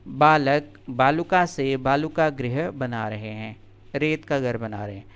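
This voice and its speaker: In a video lesson, a male teacher with a clean, mid-range voice slowly and deliberately drills the pronunciation of Sanskrit words, then explains the answers in plain everyday speech. The audio sounds dull.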